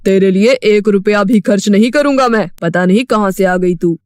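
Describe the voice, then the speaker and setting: A woman's voice: medium pitch, normal speed, a little mellow, dry recording, voice pushed down, close to an everyday voice. A woman voicing a callous, bossy middle-aged father with a brusque manner in a storybook tale. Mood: brusque, dismissive. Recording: music behind the voice.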